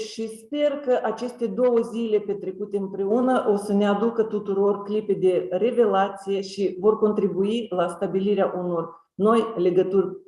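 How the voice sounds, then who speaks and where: Mellow woman, distant and echoey. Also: medium pitch. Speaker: university rector giving a welcome. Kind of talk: formal welcome speech. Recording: echoey, distant microphone in a room.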